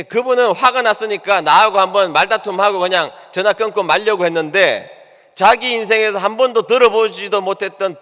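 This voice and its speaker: A man's voice: sits high, fairly bright tone. A male pastor preaching a sermon, telling a personal story and acting out both sides of a phone call. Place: church sanctuary. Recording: long church hall reverb.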